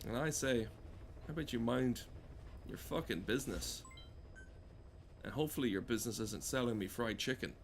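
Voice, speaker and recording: A man giving rambling, sweary comedic game commentary in a halting, deadpan way. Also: medium pitch, creaky, slight background noise. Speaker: gameplay streamer.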